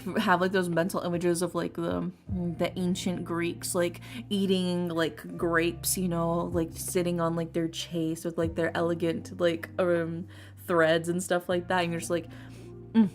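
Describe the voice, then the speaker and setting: A woman's voice: on the low side, flat delivery, a little slow. A young woman from Texas with a Texan accent, chatting casually and rambling with lots of fillers as a streamer. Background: lofi music.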